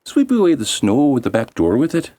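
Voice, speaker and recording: A man's voice: mid-range voice, huge pitch swings, a little fast, warm tone, dry recording, voice pushed up. A man voicing eager little elf men from a fairy tale, with a sing-song, exclaiming delivery. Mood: eager, curious.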